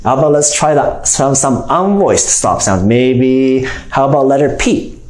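A man's voice: mid-range voice, expressive, unhurried, darkish tone. Echoey male teacher giving a lesson. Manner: explanatory, frequent "okay?" check-ins. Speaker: reading teacher. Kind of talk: instructional phonics lesson. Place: small room indoors. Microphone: lapel mic. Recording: roomy, echoing indoor sound.

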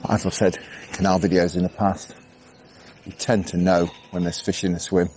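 Deep-voiced man chatting on a canal bank. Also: moderate pace, slight background noise. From England. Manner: relaxed, chatty, thinks aloud with fillers. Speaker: angling vlogger. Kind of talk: casual commentary while fishing. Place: outdoors on a canal bank at dawn. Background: birdsong and insects.

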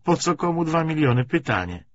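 Man voicing a defiant, sharp-tongued woman, animated delivery. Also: fairly high pitch, fairly quick, dry recording, pitched above the performer's own voice. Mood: cool, sardonic. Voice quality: hoarse, strained half-shout. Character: defiant, threatening woman bargaining hard for money. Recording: dull audiobook recording with faint noise.

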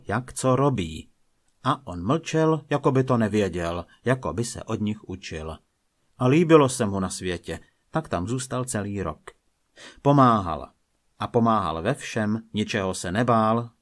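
A man calmly narrating old folk legends as a storyteller, reading at a measured pace. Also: on the low side.

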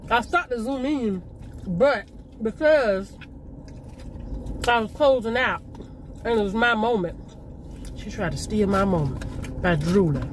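A woman's voice: mid-range voice, expressive, a little slow, long pauses, slight background noise. A middle-aged woman, talking while chewing during a casual mukbang chat in a parked car, calling her viewers y'all. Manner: chatty, addresses viewers as y'all. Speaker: mukbang host eating with her daughter.

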